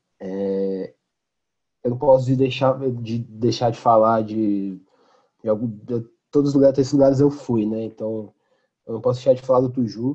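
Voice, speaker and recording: A man's dark, mellow voice sits at a medium pitch with fairly even intonation. He keeps a moderate pace, broken by long, frequent pauses. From Ceará, Brazil (family from Minas Gerais). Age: 20s. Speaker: cook. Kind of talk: casual chat.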